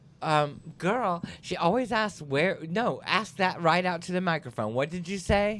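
High-pitched and with lively intonation, a man speaks at a fairly slow pace. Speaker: podcast and radio host. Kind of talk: casual chat. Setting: outdoors in a park.

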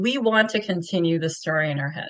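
At a fairly quick pace, a normal speaking voice moves with ordinary pitch variation. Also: woman. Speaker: fanfic writer and fan.

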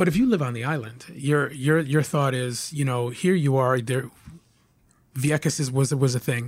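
A man with an American accent and a normal speaking voice, medium in pitch, at a moderate pace with fairly even intonation. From New York, Bronx. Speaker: writer and podcaster. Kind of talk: interview conversation. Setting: in-person recording.

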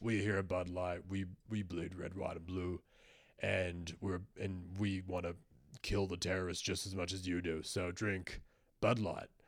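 A man's put-on character voice, booming and very deep, flat and monotone, broken by long, frequent pauses. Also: moderate pace. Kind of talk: voice-over announcer. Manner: dramatic, booming.

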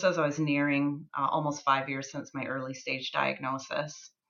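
A woman talks at a very deep, low pitch with vocal fry and fairly even intonation. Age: 30s. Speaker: cancer patient and advocate. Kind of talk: interview.

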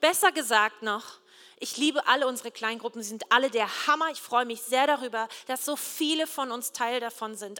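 A woman speaks at a high pitch. Her voice is raised and projected. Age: 30s. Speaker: pastor. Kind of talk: sermon.

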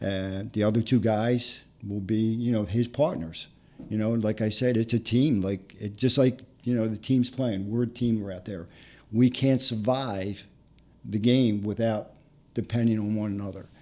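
A man with a Philadelphia accent at medium pitch and a moderate pace, fairly even in intonation, in a very clean recording with a silent background. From Philadelphia, Harrogate section. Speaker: lacrosse referee and assigner. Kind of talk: interview. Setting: studio.

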